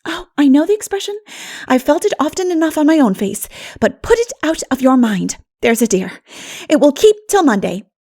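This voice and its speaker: A storybook heroine, voiced by a woman narrator, young, dreamy and full of delight. Her high voice swings up eagerly as she gushes in flowery, earnest phrases. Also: sing-song, moderate pace, mellow. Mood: blissful, gushing. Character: Anne, exuberant, dreamy, poetical schoolgirl-spirited young woman. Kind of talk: audiobook character voice.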